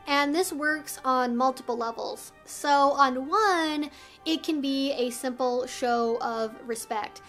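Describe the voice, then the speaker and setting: A woman hosting an educational video, explaining things to the viewer in a measured, articulate and instructive way. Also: high-pitched, a bit bright.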